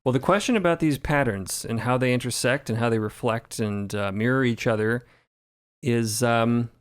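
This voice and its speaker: A man on a podcast panel speaking in measured, coy, slightly theatrical phrases during a casual discussion. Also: medium pitch, smooth.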